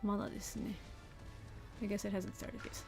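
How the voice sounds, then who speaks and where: Fast-talking bilingual woman gaming. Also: medium pitch, little pitch movement, gravelly, over music. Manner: switches between Japanese and English, restating each line; chatty, answers chat while playing. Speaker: bilingual game streamer. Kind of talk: casual live gameplay commentary.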